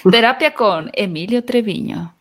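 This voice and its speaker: A woman's voice: on the high side, unhurried. A young adult woman with a northern Mexican accent, hosting a podcast interview in a chatty, easygoing way. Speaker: podcast host, celebrity interviewer.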